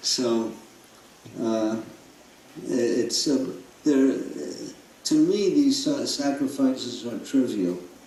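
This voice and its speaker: A man speaks at a very slow pace with long, frequent pauses, his voice carrying audible room echo over noticeable background noise. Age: 80s+. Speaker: diabetes doctor. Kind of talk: teleseminar Q&A. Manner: halting, many fillers.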